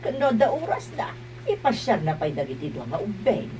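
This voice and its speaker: Woman as probing older mom, lively intonation, distant mic, faint hum. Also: medium pitch, moderate pace, lightly acted. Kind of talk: amateur drama acting.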